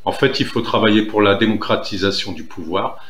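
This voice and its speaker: A man's voice: fairly low pitch, a little fast, a bit bright, roomy sound. A man from Algeria speaking in a casual, earnest monologue, hesitant with many fillers and restarts. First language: Algerian Arabic (Derja). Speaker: political commentator.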